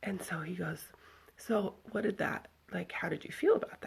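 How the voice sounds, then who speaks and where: A quiet female voice. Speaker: vlogger. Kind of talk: casual chat. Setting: at a friend's home. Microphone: too quiet.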